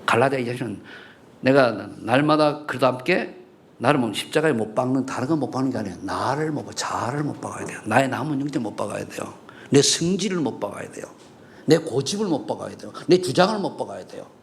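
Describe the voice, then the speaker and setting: A middle-aged man preaching a sermon in a church, firing rhetorical questions at the congregation and swinging between loud and hushed delivery. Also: medium pitch, animated, quick pace, gravelly. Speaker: pastor. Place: church sanctuary.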